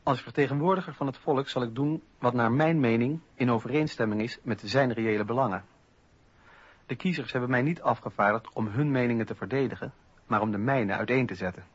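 An actor playing a principled eighteenth-century male philosopher-politician, speaking in measured, earnest, formal testimony for a radio docudrama. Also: medium pitch, breathy edge, close to an everyday voice. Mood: earnest conviction. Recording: dull, noisy old radio recording.

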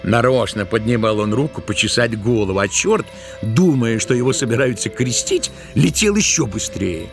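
A man narrating a literary tale as part of an audio drama, in an expressive, dramatic storytelling manner. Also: mid-range voice, moderate pace, vocal fry, faint music behind.

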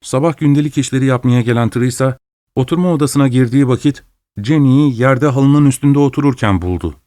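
A man narrating a suspenseful story aloud at a measured, steady storytelling pace. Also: medium pitch, no echo, clean studio sound.

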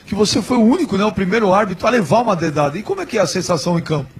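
A man's voice: high voice, animated, very fast, slight background noise. A man co-hosting a sports radio show, friendly in chat and salesy while reading a live ad. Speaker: radio co-host. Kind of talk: radio talk and live ad read.

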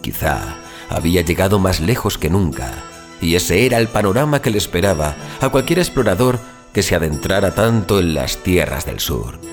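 A man's voice: sits low, animated, normal speed. A man playing a weary, frightened explorer who recounts his ordeal in solemn, literary, suspenseful first-person audio fiction. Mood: weary, resolute. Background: music bed.

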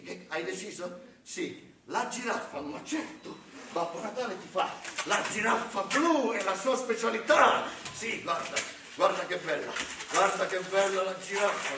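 A man performing a comic monologue on a theatre stage plays a frazzled, short-tempered Santa Claus whose high, sugary coaxing suddenly snaps into shouting. The live recording sounds distant and roomy, with a noisy background.

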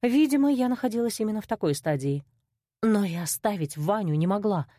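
A woman's voice: medium pitch, animated, fairly quick, dark tone, dry recording, clean studio sound. Woman narrating an audiobook expressively. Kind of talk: first-person audiobook narration.

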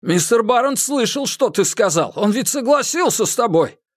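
A man's voice: extremely high pitch, expressive, moderate pace, no echo, clean studio sound, voice pushed up. A man reading an audiobook voices a cheerful, cruel old German man with a mocking lilt.

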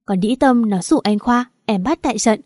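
Brash, abusive jealous wife, voiced by a woman narrator; hostile and coarse, mellow tone. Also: a little high, normal speed, no echo, studio quality, close to an everyday voice.

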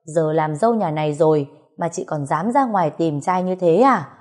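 A woman voicing a fierce older mother-in-law who scolds and laments loudly. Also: medium pitch, animated, moderate pace, natural voice. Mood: scolding.

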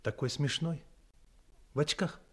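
An actor playing a weary but determined wounded soldier in a wartime radio drama. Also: male voice, on the high side, a little slow. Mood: weary, grim.

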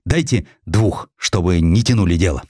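A man's voice: low-pitched, normal speed, dark tone, husky, no echo, studio quality. A man voicing a shrewd, combative editor in an audiobook, with an emphatic, forthright manner. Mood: brisk, firm. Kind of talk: audiobook character acting.

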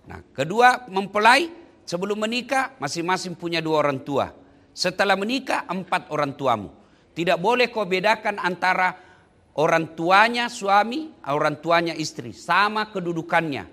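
A man giving a lively, jokey wedding sermon and speaking straight to the couple and the guests. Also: high-pitched, moderate pace. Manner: lively, jokey, addresses listeners directly. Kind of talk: humorous sermon. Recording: long hall reverb.

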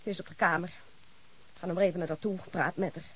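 A middle-aged Dutch wife and mother in a radio play. Her voice is somewhat rough and recorded very dry. She complains insistently, with indignant sarcasm. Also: on the low side, steady tone, quick pace, a bit bright, dry recording, rough recording. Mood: insistent, pleading. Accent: Netherlands Dutch. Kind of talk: radio drama acting.

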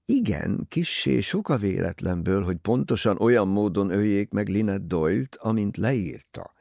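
A man doing a calm, shrewd detective. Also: fairly low pitch, creaky, no echo, clean studio sound. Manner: measured, gentle, probing.

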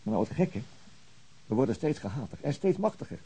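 An actor playing a weary, principled veteran policeman in a radio drama, brooding and halting as he searches for words. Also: mid-range voice, sing-song, mellow, breathy edge, full character voice, poor audio. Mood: earnest, troubled. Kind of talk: naturalistic Dutch radio drama acting.

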